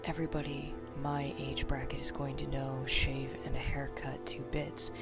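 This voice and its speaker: A woman hosting a meditation livestream, talking in a soft half-whisper with many ums. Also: rumbling low, flat delivery, moderate pace. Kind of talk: soft-spoken casual chat. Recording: loud music behind the voice. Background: music.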